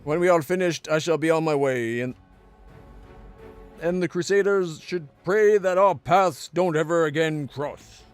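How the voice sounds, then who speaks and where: A man's voice: on the high side, normal speed, faint music behind, natural voice. A man voicing an arrogant undead lich in a sneering, gloating, haughty manner, reading fantasy game dialogue aloud. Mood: mocking.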